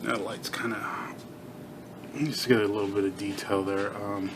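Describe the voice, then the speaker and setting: A man's voice: on the low side, steady tone, moderate pace, background noise. A middle-aged man giving a casual, unscripted toy review, slightly slurring as if half his mouth is numb from facial palsy. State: half-paralyzed face from Bell's palsy, relearning to talk.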